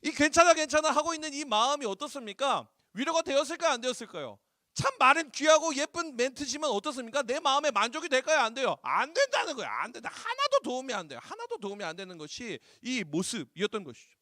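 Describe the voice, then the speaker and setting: Guy youth pastor preaching to teens, high bright voice, animated, acts out little voices, dry sound. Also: quick pace, dry recording. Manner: animated, acts out voices, asks the crowd questions. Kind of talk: sermon to high school students. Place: church hall.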